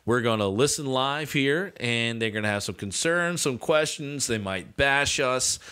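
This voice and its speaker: A man's voice: medium pitch, expressive, a little slow, bright, forceful tone, clean tone. A man co-hosting a casual sports podcast, chatting and bantering in an easy conversational way. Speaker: podcast co-host.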